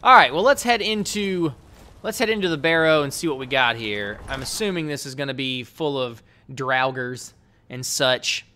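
A man's voice: medium pitch, lively intonation, moderate pace, bright, forceful tone. A man giving loose, profane running commentary while playing a video game, talking back at the game and its characters. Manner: profane, rambling, talks to the game. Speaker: let's play host. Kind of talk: casual gameplay commentary.

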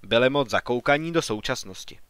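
A man's voice: medium pitch, animated, a bit bright, clean tone, no echo, lightly acted. A man voicing an ambitious young man who argues earnestly and with growing irritation in an audiobook. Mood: earnest, heated. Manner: earnest, argumentative.

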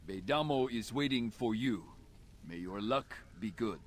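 A calm alien tribal mentor from a video game. He speaks in measured, formal phrases that encourage the listener, with wide intonation. Faint ambient noise runs behind him. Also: lowish voice. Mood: encouraging. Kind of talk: video game cutscene acting.

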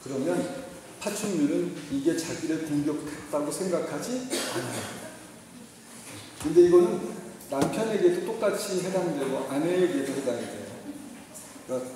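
Male teacher, lively parent lecture, slightly high voice, distant mic in a reverberant hall, faint noise. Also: normal speed, pauses often. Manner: animated, acts out shouted quotes and leads the audience. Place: school hall.

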